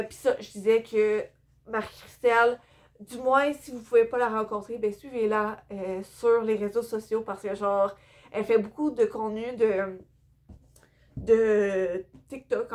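This book vlogger is a young Québécoise woman whose medium-pitched, darkish voice moves at a measured pace with fairly even intonation. Chatting casually through a book haul in a room lined with shelves, she hesitates a lot, uses many fillers, and sounds slightly tired, all in a Québécois French accent.

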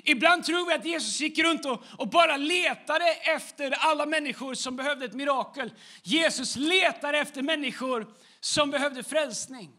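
A man's voice: very high voice, sharp tone. A man preaching a sermon as the church's pastor, in a conversational way, acting out short everyday dialogues.

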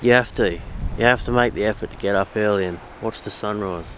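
Laid-back Australian man, low voice. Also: a little fast, noisy background. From Western Australia. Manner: relaxed, rambling, repeats himself. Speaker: camping vlogger. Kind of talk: casual outdoor vlog. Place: outdoors at a beach campsite.

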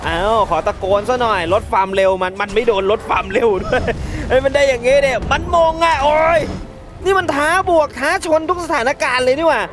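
A man giving excitable, laughter-filled commentary while playing a mobile game, taunting his opponents as he goes. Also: very high-pitched, fairly quick, music in the background. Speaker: gaming channel host.

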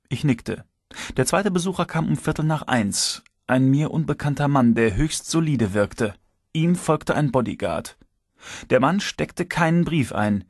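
Man, audiobook narration, first person, measured, average pitch, dry room. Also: husky, no room sound.

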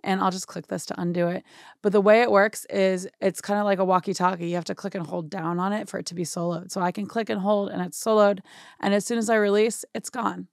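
Hoarse woman explaining software, gravelly. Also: medium pitch, flat delivery, quick pace, no echo, studio quality. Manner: chatty, explanatory, often adds "right?". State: hoarse, voice worn out. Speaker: music production tutorial host. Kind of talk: casual screen-share software tutorial. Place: home studio, indoors.

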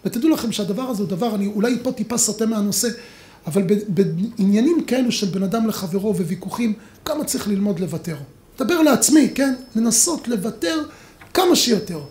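A man giving a rabbi's lecture to an audience, telling stories dramatically and acting out the dialogue with big swings between loud and quiet. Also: lively intonation, reverberant. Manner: dramatic storytelling, acts out dialogue with big swings in pitch and volume. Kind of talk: lively Torah lecture.

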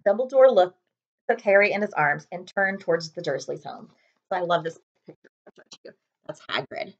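A woman's voice: fairly low pitch, lively intonation, normal speed, breathy edge, highs cut off. A woman in her thirties reading a children's chapter book aloud expressively, recorded on a webcam in a room at home. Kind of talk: storybook read-aloud narration. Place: small home room with window blinds.

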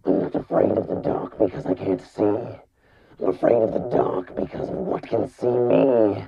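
Man doing a low, gravelly, haunted character. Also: steady tone, unhurried, lo-fi sound, full character voice. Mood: ominous.

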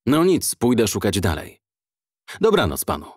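A man's voice: fairly low pitch, huge pitch swings, moderate pace, slightly rough, no echo, studio quality, full character voice. A male audiobook narrator voicing a scheming, hot-tempered man on the run, wheedling aloud and muttering to himself.

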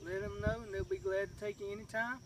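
A man wrapping up a fishing vlog in a relaxed drawl, recorded outdoors by a river. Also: sits high, fast. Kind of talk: casual outdoor vlog narration. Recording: distant phone mic, faint outdoor noise.

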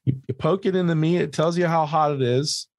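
A man's voice: a little high, brisk, a little mellow, no room sound. An American man co-hosting a podcast in casual comedic chat, swearing freely and repeating words emphatically as he explains. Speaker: podcast co-host.

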